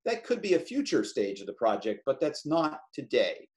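A man's voice: mid-range voice, big pitch swings, normal speed, darkish tone. A man giving an informal, explanatory webinar presentation as a project lead on a video call. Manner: conversational, explanatory.

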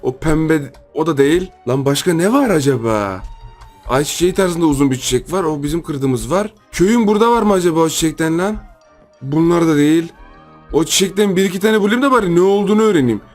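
A man doing a loud, exasperated let's-play commentary on a game as its host. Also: fast talker, faint music behind. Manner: loud, exasperated, jumps to high yells. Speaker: gaming YouTuber.

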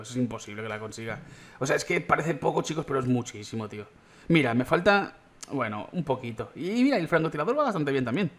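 A young man from Spain with a Spanish accent, chatting excitedly to his viewers while he plays a shooter game, swearing casually along the way. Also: mid-range voice. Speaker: gaming YouTuber. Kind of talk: gameplay commentary.

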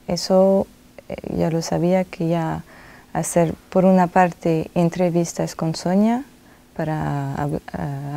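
A young woman talks through her filmmaking in a low, mellow voice with a gravelly edge. She speaks slowly, pausing often and correcting herself as she searches for words. She sits in a dark cinema auditorium for the interview. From France. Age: young adult. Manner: halting and thoughtful, many pauses and self-corrections. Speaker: film director. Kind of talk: interview answers.

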